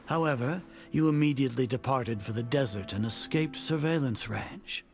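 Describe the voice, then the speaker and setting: A pompous older scholar villain from a video game, acted by a man, speaks in a medium-pitched voice. He is imperious and coldly condescending, choosing formal words deliberately. Music plays clearly behind him. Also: natural voice. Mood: condescending, accusing. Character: imperious older male grand sage, cold scheming villain. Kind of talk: scripted video game voice acting. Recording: game dialogue over loud music.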